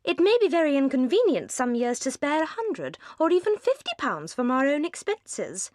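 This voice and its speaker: A woman's voice: high-pitched, sing-song, moderate pace, darkish tone, no echo, clean studio sound, pitched above the performer's own voice. A woman voicing a cold, grasping wealthy young wife in an English accent for an audiobook, persuasive and coolly reasonable. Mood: coaxing. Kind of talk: audiobook character reading.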